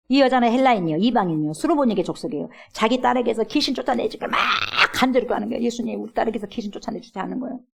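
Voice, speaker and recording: Woman pastor, middle-aged, dramatic sermon delivery, high and very lively pitch. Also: vocal fry. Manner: dramatic, acts out quoted pleas with big swings from loud to hushed. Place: church sanctuary.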